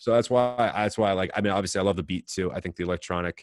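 Heard in a dry, close sound with no echo, a man with an American accent and a normal speaking voice talks at a fairly low pitch with ordinary pitch variation. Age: 20s. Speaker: podcast host. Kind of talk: casual interview. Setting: remote call.

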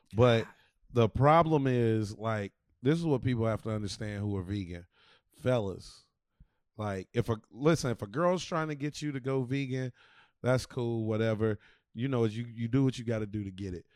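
In a very clean recording with a silent background, a man with an American accent uses a normal speaking voice at a moderate pace, with medium pitch and ordinary pitch variation. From United States. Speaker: podcast co-host. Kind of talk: casual chat.

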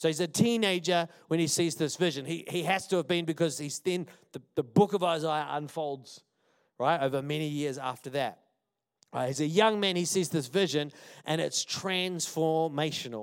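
A man with a New Zealand accent talks at a moderate pace, fairly high in pitch, with ordinary pitch variation. The recording is very clean, with a silent background. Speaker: pastor. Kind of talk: sermon. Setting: church stage with audience. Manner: animated.

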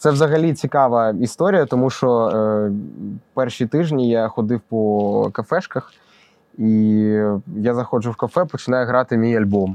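A man talks at a moderate pace and medium pitch, with an ordinary speaking voice and ordinary pitch variation. His loudness stays very even, and the sound is dry and close with no echo over a quiet background. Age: young. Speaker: singer-songwriter and vocal teacher. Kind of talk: interview.

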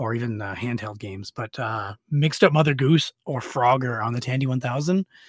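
A man with a medium pitch and a somewhat breathy voice talks at a fairly quick pace with hardly any pauses and ordinary pitch variation, the sound dry and close with no echo. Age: 30s. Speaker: gamer and content creator. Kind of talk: casual interview.

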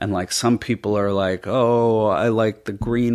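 With an American accent, a man talks at a moderate pace in a fairly low, monotone voice, the recording very clean with a silent background and a dry, close sound with no echo. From US Midwest. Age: 40s. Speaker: comedian and actor. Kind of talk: casual chat.

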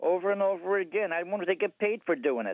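A man with a Newfoundland accent at a very fast pace. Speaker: caller. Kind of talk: call-in. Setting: phone call.

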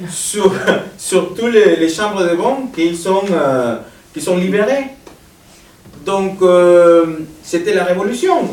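Through noticeable background noise, a high-pitched man speaks at a very slow pace with long, frequent pauses and ordinary pitch variation. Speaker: novelist. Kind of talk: author talk at literary event. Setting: stage with audience. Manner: halting, many repetitions.

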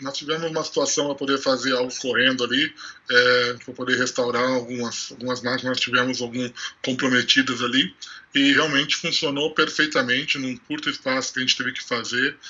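Over noticeable background noise, a man talks fairly quickly at a medium pitch in a flat monotone. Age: 40s. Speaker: cybersecurity executive. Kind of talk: casual chat. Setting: remote recording.

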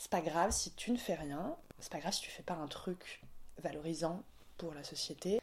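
A woman speaks at a moderate pace in a fairly low pitch, with big swings in loudness, ordinary pitch variation and long, frequent pauses. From Paris, France. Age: 20s. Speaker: author and film director. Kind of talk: interview. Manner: hesitant, many fillers.

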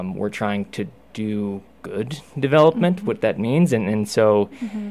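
Speaking with an American accent, a man uses a plain, everyday voice at medium pitch. His intonation is lively and his pace moderate. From Utah, Salt Lake City. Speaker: county business development official. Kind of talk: radio interview.

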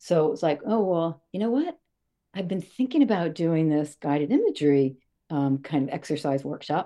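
A woman with an unremarkable speaking voice talks at a moderate pace. Her pitch sits fairly low, and her intonation is lively. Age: 60s. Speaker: psychedelic research guide and facilitator. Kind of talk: interview conversation.

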